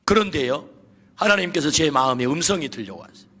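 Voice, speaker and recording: A pastor in his fifties preaching a sermon in a church, telling stories with swings from soft to shouting. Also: on the high side, lively intonation, a little fast, breathy edge. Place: church sanctuary. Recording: long reverb of a church hall.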